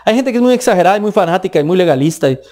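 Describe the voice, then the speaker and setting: A man with a Colombian accent preaching a sermon, emphatic, with pitch that rises and drops sharply for stress. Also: expressive, very fast, darkish tone.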